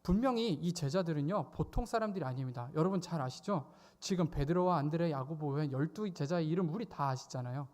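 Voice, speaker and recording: A male youth pastor delivers a sermon at a church service. His voice sits a little high for a man. He talks in an animated way, rising into sudden loud exclamations whenever he acts out a quoted voice. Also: a little fast, hardly any pauses.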